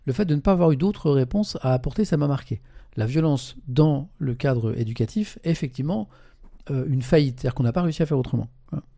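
A man's voice: mid-range voice, fast talker, gravelly, warm tone, no room sound, studio quality. A man hosting a casual live stream who reads article passages aloud and comments on them, often tagging his sentences with a conversational "hein".

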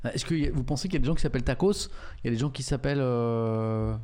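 A man's voice: mid-range voice, fast talker, dark tone. A man, streaming live and reading out and reacting to viewer chat in a chatty, amused way.

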